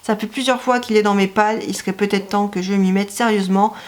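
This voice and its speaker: A young woman chatting through her autumn reading picks in a relaxed vlog, her pitch sitting in an ordinary middle range. She hesitates a lot with little fillers but stays keen and friendly throughout. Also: quick pace. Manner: hesitant, many "euh" fillers, enthusiastic. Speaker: book vlogger. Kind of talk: casual book haul vlog.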